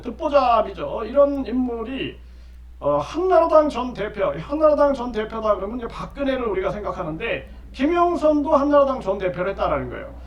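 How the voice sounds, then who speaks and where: A middle-aged man giving lecture-style political commentary as a channel host, emphatic and repeating his key phrases with frequent affirming fillers. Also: extremely high pitch. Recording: roomy echo, distant mic, dull lo-fi sound.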